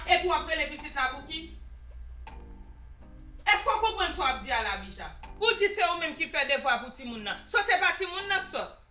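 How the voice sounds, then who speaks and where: A woman's voice: very high voice, bright, forceful tone, heavily acted. An actress playing an impatient, scolding wife with a Haitian accent, nagging and hurrying her husband along. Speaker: comic co-star. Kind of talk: comedy sketch acting. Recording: echoey room, distant mic, music behind.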